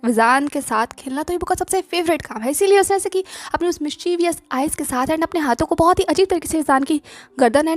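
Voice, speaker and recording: Woman narrator for a serialized audiobook; high, quick, chatty delivery. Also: no room sound. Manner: brisk, conversational, mixing in English words. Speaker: author and narrator. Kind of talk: audiobook narration of a romance story.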